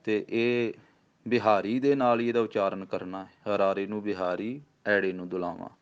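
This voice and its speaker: A man teaching the recitation of scripture, spelling out syllables slowly and patiently. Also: on the low side, fairly even intonation, clean tone. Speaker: Gurbani pronunciation teacher. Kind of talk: recitation lesson. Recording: dull lo-fi sound.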